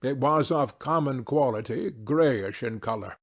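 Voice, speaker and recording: A man narrating a classic novel as an audiobook in a measured, formal reading style. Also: medium pitch, breathy edge. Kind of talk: scripted literary narration.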